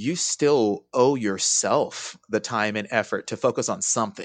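A man with an American accent and an unremarkable speaking voice, medium pitch, moderate pace, dry and close with no echo against a quiet background. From US South, southern Louisiana. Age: 30s. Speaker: performing artist and dance teacher. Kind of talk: casual interview.

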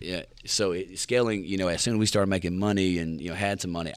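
Very fast and fairly even in intonation, a man with a very deep, low pitch is heard in a very clean recording with a silent background. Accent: Southern US. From US South, Mississippi. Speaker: business owner. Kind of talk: casual chat.

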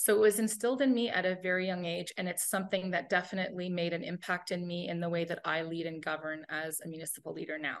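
A woman with an Ontario accent speaks very fast, with hardly any pauses. Her pitch is fairly low, with ordinary variation. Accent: Canadian (Ontario). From northern Ontario, Canada. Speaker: city councillor. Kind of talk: interview. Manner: halting.

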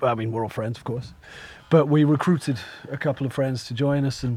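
This is a man's voice at a medium pitch. His pitch varies in an ordinary way. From southwest England (Bristol). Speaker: metal band drummer. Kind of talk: casual interview.

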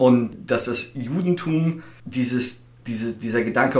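A man is speaking. Room echo is audible. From Germany, Erlangen (Franconia). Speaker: podcast host. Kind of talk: casual chat.

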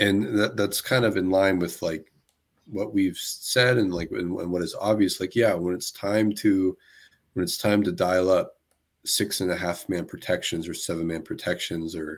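On a very clean recording with a silent background, a man with an American accent speaks at a moderate pace in a fairly low pitch and fairly even intonation, an unremarkable speaking voice. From United States.

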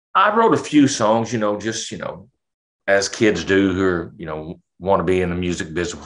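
A man's very deep, low voice with an American accent, ordinary pitch variation and a fairly quick pace. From southern Illinois. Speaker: songwriter and singer. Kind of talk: casual interview chat.

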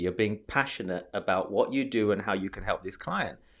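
A man speaks with a British accent, and the background is quiet. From Britain. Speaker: public speaker and entrepreneur. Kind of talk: interview.

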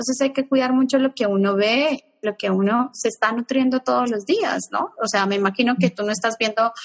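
The voice is somewhat breathy, with fairly even intonation at a moderate pace. The sound is dry and close, with no echo. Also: woman. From Colombia, Bucaramanga (Santander). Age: 40s. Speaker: holistic therapist. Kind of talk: interview.

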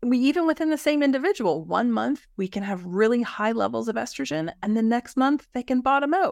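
With hardly any pauses, a woman talks at a fairly quick pace in a high pitch with very wide pitch swings, in a dry, close sound with no echo and a very clean recording with a silent background. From Canada. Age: 40s. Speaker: dietitian and naturopathic doctor. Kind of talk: interview.

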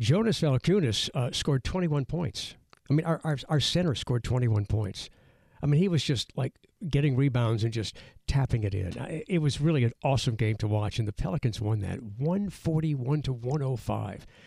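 With lively intonation and a dark, mellow tone, the somewhat breathy voice moves at a moderate pace. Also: man, medium pitch for a man. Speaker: radio talk show host. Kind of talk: call-in talk radio. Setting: studio. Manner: halting, repeats words.

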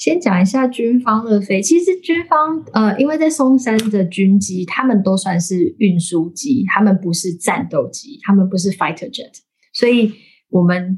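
A woman speaks at a fairly slow pace and medium pitch, somewhat breathy. Her pitch swings very widely. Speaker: air traffic controller. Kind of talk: casual chat.

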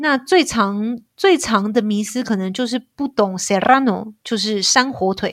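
This very clean recording has a silent background. A woman with a fairly high pitch talks at a moderate pace, with ordinary pitch variation. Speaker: ham industry promoter and author. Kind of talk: casual interview. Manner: halting with frequent repetitions.

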